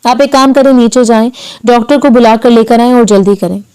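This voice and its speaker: A woman voicing a caring young wife who talks softly but insists firmly. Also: fairly high pitch, a little fast, smooth, natural voice. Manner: soft, insistent.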